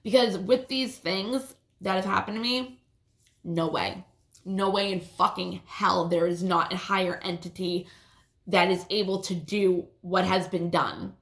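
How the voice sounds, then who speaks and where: Woman vlogger with a lisp, gravelly fry, roomy echoey sound, casual and profane. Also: lowish voice, steady tone, unhurried, fairly bright tone. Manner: casual, swears often, restarts sentences. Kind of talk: rambling personal storytelling. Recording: roomy echo.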